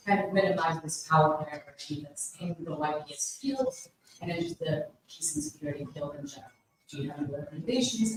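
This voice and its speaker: A woman in the audience at a conference asking the panel a question. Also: fairly low pitch. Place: large indoor conference room. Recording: very echoey hall, distant mic, faint noise.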